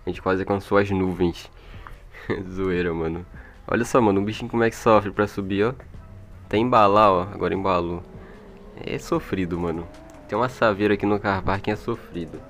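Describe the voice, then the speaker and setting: A man's voice: low voice, fairly even intonation, a little fast, a bit bright. A man with a Brazilian accent giving casual, slangy, chatty gameplay commentary into an old microphone. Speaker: gaming video creator. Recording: music behind, old microphone.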